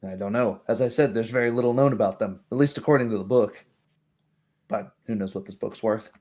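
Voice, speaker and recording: A man's voice: fairly low pitch, fairly quick, mellow, natural voice. A man voicing an unperturbed, plain-spoken village woman in a tabletop roleplay, in a hesitant, matter-of-fact way.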